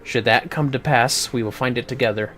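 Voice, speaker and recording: A man's voice: mid-range voice, a little fast, a bit bright, a little hiss or hum, close to an everyday voice. A man voicing a courtly, gracious fantasy noble from a video game, in theatrical, formal, archaic phrasing. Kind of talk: amateur voice acting of game dialogue.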